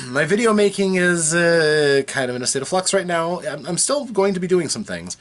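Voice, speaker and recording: A man talking casually to his viewers from his basement, rambling with frequent fillers and restarts, his voice still a bit rough from a recent cold. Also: a little high, expressive, moderate pace, a bit bright. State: recovering from a cold, slightly rough voice. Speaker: vlogger. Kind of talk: casual chat to camera. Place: home basement.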